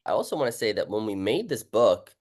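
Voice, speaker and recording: A man's voice: on the low side, sing-song, brisk, darkish tone. A man hosting a casual, conversational interview, talking informally with his guest. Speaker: host and book author.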